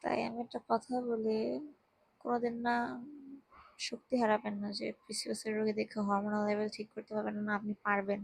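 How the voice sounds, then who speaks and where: A tired young woman, speaking very softly while lying down at home, giving casual health advice into a handheld mic. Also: medium pitch, monotone, fairly quick, vocal fry, dry recording, rough recording. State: tired, drowsy. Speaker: vlogger. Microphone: handheld microphone.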